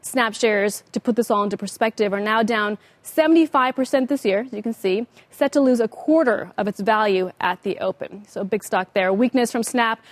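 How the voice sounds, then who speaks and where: An American woman anchoring a financial broadcast, delivering rapid market news in a brisk broadcast manner. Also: a little high, dry recording. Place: TV news studio.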